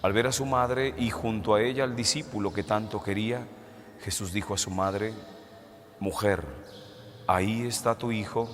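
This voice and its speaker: A man, a Catholic priest, reading the gospel and preaching a homily in a church, his voice carrying a cathedral echo. He speaks in a measured way and poses rhetorical questions. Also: fairly low pitch, fairly even intonation, faint music behind. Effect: cathedral echo, long church reverb. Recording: long church reverb, faint hiss.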